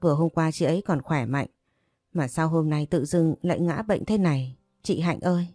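Woman voicing a grieving older woman, storybook figure, tearful lament, low mellow tone. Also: normal speed, no room sound, clean studio sound, faint music behind.

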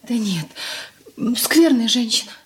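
An actress playing a romantic young girl talking in hushed, secretive tones in a radio drama. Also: fairly high pitch, animated, slow. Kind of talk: 1980s radio drama acting.

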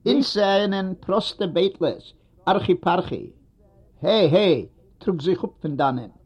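A man reading a literary story aloud in a steady storytelling manner. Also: high-pitched, takes it slowly, husky. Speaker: narrator. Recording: dull lo-fi recording.

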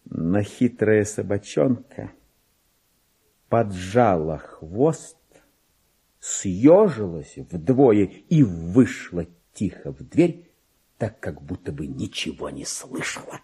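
An actor playing an excitable, self-important, paranoid petty clerk in a theatrical radio monologue, with a husky voice and volatile delivery that swings between confiding and outbursts. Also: male voice, lowish voice, slow pace, exaggerated voice. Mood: suspicious musing. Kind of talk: dramatic monologue reading in a radio play.

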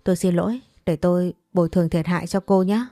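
A woman's voice: fairly low pitch, steady tone, quick pace, warm tone, no echo, faint music behind, close to an everyday voice. Woman voicing a clumsy apologetic young man. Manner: stammering, apologetic.

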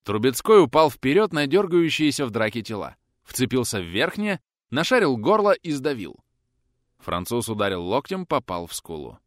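A man's voice: medium pitch, dry recording, clean studio sound. A man narrating a war adventure audiobook in a tense, vivid manner.

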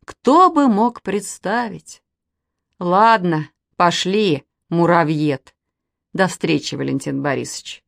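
A hearty, polite middle-aged gentleman, as a woman puts him on, full of friendly exclamations in a storybook reading. His voice rises and falls a lot and sounds dry and close. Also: fairly low pitch, animated, slow pace, vocal fry, no echo, heavily acted. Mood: dismayed. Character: cheerful chess-club acquaintance, middle-aged man.

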